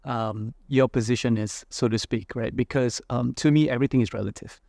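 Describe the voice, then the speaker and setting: A man from Indonesia talks through his views as a guest in a casual interview. His voice has a gravelly edge, and the recording is dry and close. He thinks aloud, with fillers and frequent "right?" checks. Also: mid-range voice, steady tone, a little fast, mellow, dry recording. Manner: reflective, many fillers and "right?" tags. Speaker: entrepreneur guest.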